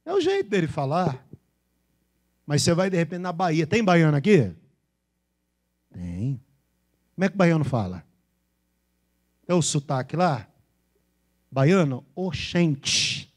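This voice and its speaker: A pastor from Brazil delivers a sermon to his congregation in church, his slightly high, darkish voice very animated yet unhurried, with long pauses. Speaking with a São Paulo interior accent, he teasingly imitates regional ways of talking.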